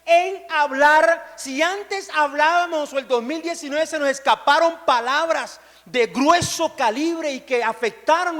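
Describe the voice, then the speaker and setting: High-voiced pastor preaching in a reverberant hall. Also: male voice, pushed and bright. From Colombia. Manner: call-and-response, urging the congregation to repeat phrases. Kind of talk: sermon. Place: large church hall.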